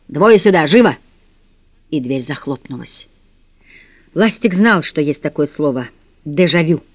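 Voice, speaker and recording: A man's voice: fairly high pitch, no echo. Man narrating a children's adventure book. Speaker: audiobook narrator. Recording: dull, dry studio recording.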